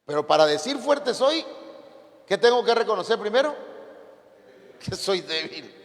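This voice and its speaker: A man with a Mexican accent preaches with a fairly high voice, keeping the sermon lively by turning questions on his listeners. His voice rings through a church hall with a long reverb tail. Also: a little slow.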